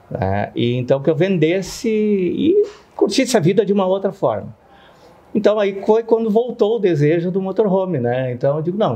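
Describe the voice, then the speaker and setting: Male, mid 50s, warm dark tone, conversational testimonial with habitual tag questions. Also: fairly high pitch. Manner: frequent tag questions seeking agreement. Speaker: interview guest.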